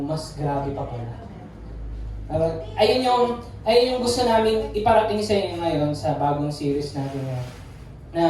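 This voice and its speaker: A woman's voice: fairly low pitch, warm tone, a little hiss or hum. A Filipino woman giving a casual, playful youth sermon, mixing in English, recorded from a distance in a church hall. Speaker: youth speaker. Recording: echoey hall, distant mic.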